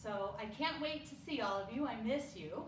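Through audible room echo and noticeable background noise, a woman speaks at a moderate pace. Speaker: drama teacher. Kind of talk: remote class introduction. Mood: warm, enthusiastic. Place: home room. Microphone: camera far.

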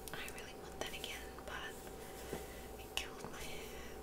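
A woman is speaking. Loud background noise runs behind her. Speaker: ASMR creator. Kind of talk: casual chatty ASMR talk. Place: home room.

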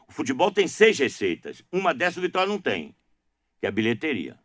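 With vocal fry and very wide pitch swings, a man speaks at a moderate pace against a quiet background. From Bahia, Brazil. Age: 60s. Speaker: former football club president; radio interview guest. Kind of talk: radio interview. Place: studio. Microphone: studio mic.

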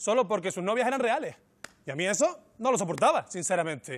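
A man with a Canarian accent speaks at a high pitch and a fairly quick pace. His intonation is lively. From Tenerife, Canary Islands; Canary Islands. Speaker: comedian; stand-up comedian. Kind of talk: stand-up. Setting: stage with audience. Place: studio. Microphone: handheld.

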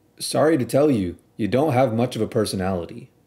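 Speaking at a fairly quick pace, a man has a dark, mellow tone, a medium pitch and ordinary pitch variation. The recording is very clean, with a silent background. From Indian heritage. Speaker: streamer. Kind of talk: monologue commentary.

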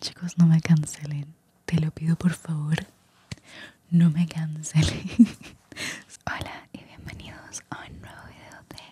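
A woman whispers in a gentle tone at a very slow pace. Long pauses come often. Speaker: ASMR creator. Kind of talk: casual ASMR vlog chat. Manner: gentle pleading ASMR whisper. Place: home room. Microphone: studio mic.

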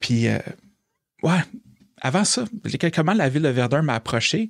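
A man talks fairly quickly, his intonation lively, with a quiet background. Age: 40s. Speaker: painter; radio guest. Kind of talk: casual chat. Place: studio. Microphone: studio mic.

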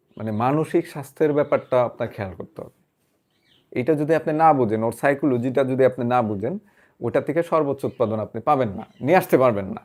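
A man's medium-pitched voice, a normal speaking voice, with ordinary pitch variation and big swings in loudness, in a very clean recording with a silent background. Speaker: goat farm owner and farming advisor. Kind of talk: live stream interview. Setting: office, live video stream.

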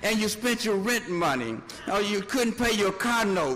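A man speaks in a raised, projected voice with ordinary pitch variation. Noticeable background noise runs behind him. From Chicago. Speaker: preacher. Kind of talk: sermon.

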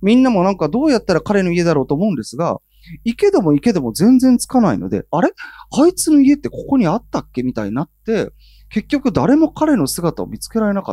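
A man talks at a very fast pace with a high pitch, very wide pitch swings and big swings in loudness in a dark, mellow tone. The sound is dry with no echo over a quiet background. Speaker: ghost-story teller. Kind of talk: spoken ghost story. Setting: studio. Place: studio. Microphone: handheld.

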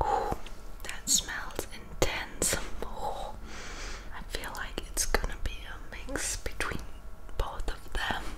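Loud background noise surrounds a woman who speaks at a very slow pace. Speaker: ASMR creator. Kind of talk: ASMR taste test, whispered food review to camera. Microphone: studio mic.

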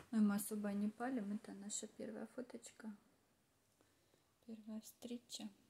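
With a Ukrainian accent, a woman speaks at a fairly slow pace and a fairly high pitch in a flat monotone, over light background noise. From Ukraine. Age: 40s. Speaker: vlogger. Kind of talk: casual talk to camera. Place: home room. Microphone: lapel.

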